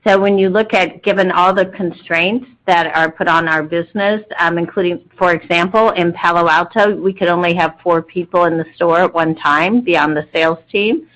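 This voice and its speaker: A woman's voice: fairly low pitch, fairly even intonation, normal speed, hardly any pauses, a bit bright, rough recording. A woman speaking as a company executive, giving an explanatory update to investors on an earnings call. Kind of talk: explanatory business talk.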